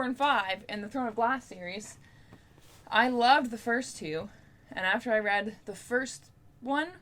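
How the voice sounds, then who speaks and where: A woman's voice: mid-range voice, a bit bright. A young woman chatting casually to camera as a book vlogger, in an informal, rambling, playfully self-deprecating way. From Canada.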